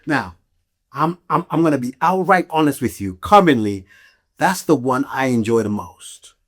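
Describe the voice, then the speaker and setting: A man's voice: mid-range voice, lively intonation, normal speed. A man from Malawi talking casually and explanatorily as a podcast host, emphatic and often checking in with the listener. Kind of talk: casual explanatory talk to listeners about gear.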